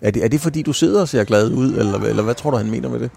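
A man's voice: mid-range voice, gravelly, darkish tone. A man interviewing a cyclist, asking probing follow-up questions in a casual tone. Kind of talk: sports interview.

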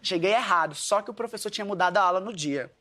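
Speaking fast in a high voice, a Paraíba-born guest storyteller and dance teacher with a Northeastern Brazilian accent entertains an audience with a funny story. He's animated throughout, acting out his own dialogue and the other people's voices.

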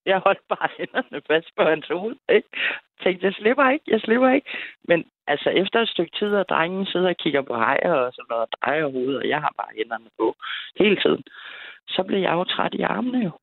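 A woman's voice: lowish voice, expressive, dry recording. A woman calling in to a night radio show, telling a story in a chatty way and laughing between sentences. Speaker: caller. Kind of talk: casual phone-in storytelling. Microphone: telephone. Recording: tinny phone line.

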